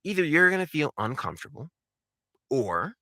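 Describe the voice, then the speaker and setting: A man coaching in an informal instructional style, animated and emphatic, speaking directly to his viewers. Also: fairly high pitch, moderate pace, dry recording, studio quality. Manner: animated, emphatic, uses rhetorical questions and repetition. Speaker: voice acting coach and video host. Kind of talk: instructional talk to camera.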